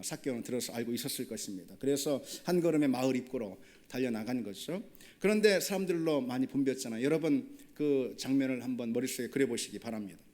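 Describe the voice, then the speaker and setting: A man's voice: on the high side, darkish tone. A male pastor preaching a sermon, often asking the congregation questions and building toward emphatic points.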